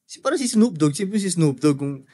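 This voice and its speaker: A man's voice: fairly high pitch, very animated, normal speed, mellow. A young man chatting casually on a podcast, laid-back and slangy, swearing often. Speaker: podcast guest.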